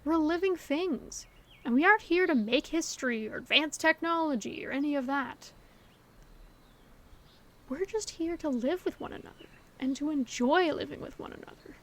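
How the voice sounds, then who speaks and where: Woman acting a high-voiced, gentle, comforting best friend. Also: animated, moderate pace. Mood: tender, hopeful. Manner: earnest, reassuring, conversational. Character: gentle, hopeful female best friend comforting her secret crush. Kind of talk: scripted audio roleplay, intimate one-sided dialogue to the listener.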